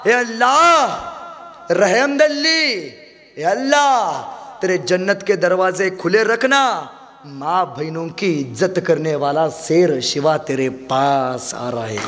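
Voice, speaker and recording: A man voicing a Mughal emperor who prays aloud in a slow, drawn-out, high-pitched invocation. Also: expressive, fairly bright tone, full character voice. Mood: reverent. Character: Mughal emperor praying aloud in grave awe. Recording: long reverb of a large hall.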